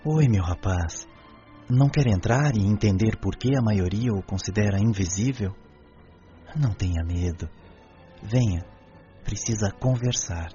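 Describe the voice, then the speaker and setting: An actor playing a calm, fatherly spirit guide in a radio drama, speaking with kindly reassurance. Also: on the low side, unhurried, pauses often, natural voice. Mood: reassuring. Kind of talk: audiobook radio drama acting. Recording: dull band-limited audio, faint music.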